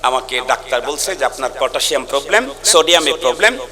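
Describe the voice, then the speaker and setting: A Bangladeshi Islamic preacher with a Bengali accent delivers a waz sermon to a large gathering, recorded live with crowd noise. His medium-pitched voice moves quickly in a lively sing-song chant that swings from soft talk to shouts, and he keeps urging listeners to answer back.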